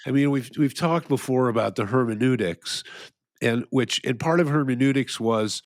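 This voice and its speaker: Male podcast co-host, mid-pitched, close and dry, meandering musings with restarts. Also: normal speed, dry recording. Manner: rambling, restarts often, laughs at own jokes. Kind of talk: casual philosophical chat.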